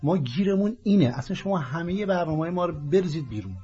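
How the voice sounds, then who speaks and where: A man from Iran with a Persian accent, hosting a political program as an emphatic, declamatory monologue in deliberate, repeated phrases. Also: on the high side, lively intonation, mellow. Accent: Persian (Iranian). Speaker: host of a political talk program. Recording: dull lo-fi audio with music underneath.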